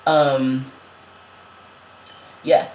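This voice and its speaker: A man's voice: mid-range voice, little pitch movement, drawn-out words, darkish tone, echoey room, a little hiss or hum. A trans man vlogging in casual chat. He uses a lot of fillers and laughs often, and his voice is going up and down and sometimes cracks.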